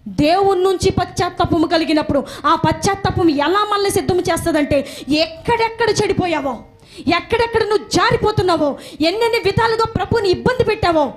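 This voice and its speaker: A woman preaching a sermon emphatically, repeating phrases for stress. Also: extremely high pitch.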